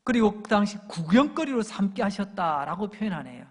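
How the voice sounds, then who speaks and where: A male pastor delivering an animated sermon to his congregation, acting out the shouts and taunts of crowds as he preaches. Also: high-pitched, a little fast, husky. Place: church sanctuary. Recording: long church hall reverb.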